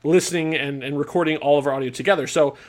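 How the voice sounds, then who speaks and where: A man's voice: on the high side, fairly even intonation, fast talker. A man co-hosting a podcast, talking casually and rambling with lots of restarts and fillers. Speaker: podcast co-host. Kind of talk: casual chat. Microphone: own remote podcast mic.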